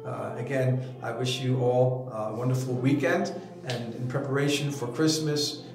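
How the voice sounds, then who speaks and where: Older priest in a very echoey room. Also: male voice, medium pitch, steady tone, music in the background. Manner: gentle, unhurried, with frequent ums and uhs. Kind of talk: parish announcement and letter reading. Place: small indoor chapel space before a brick wall.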